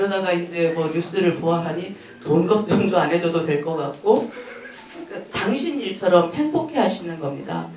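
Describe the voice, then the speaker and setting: A woman with a fairly low pitch speaks at a moderate pace with ordinary pitch variation, amid audible room echo and light background noise. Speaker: novelist, book talk guest. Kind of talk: author talk, storytelling lecture. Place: shop.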